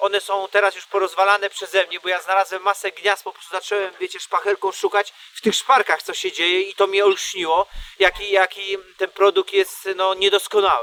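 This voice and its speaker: Projecting his voice in a dry, close recording with no echo, a man speaks fairly quickly at a high pitch, his intonation fairly even and his loudness swinging widely. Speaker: poultry keeper, video host. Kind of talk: casual tutorial. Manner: hesitant, many fillers.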